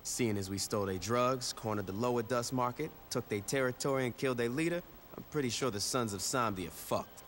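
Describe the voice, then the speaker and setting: A man plays a gang leader in a game cutscene, blunt and sarcastic, swearing freely as he gives orders. His voice sits at an ordinary male pitch, with faint game noise behind. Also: brisk, hardly any pauses, a bit bright, natural voice. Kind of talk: video game cutscene acting.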